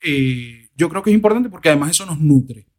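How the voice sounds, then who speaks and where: A man answering interview questions on diction and accents in a lively, rambling way. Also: on the high side, a little fast. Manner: animated, discursive, frequent "o sea" asides. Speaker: guest, voice and diction expert. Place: lives in the United States.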